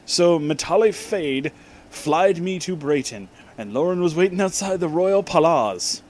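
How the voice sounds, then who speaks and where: A man giving a comic dramatic reading, deliberately enunciating garbled words and dropping in casual asides. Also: on the high side, expressive, darkish tone. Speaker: reader and commentator of bad fan fiction.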